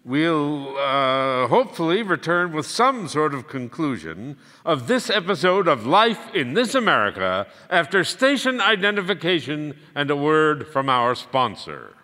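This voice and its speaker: A hesitant public-radio-style host in a comedy drama, played by an actor. He speaks slowly with a bright, lively voice. There is a long reverb around him. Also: a little high, full character voice. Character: awkward adult male radio-show host.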